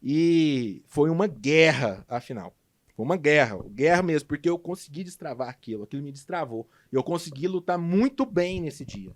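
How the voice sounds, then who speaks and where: A man with a Brazilian Portuguese accent, a guest in a podcast interview, telling a personal story with animated, emphatic delivery. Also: on the high side. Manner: animated, emphatic retelling with lively swings in loudness. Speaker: guest entrepreneur.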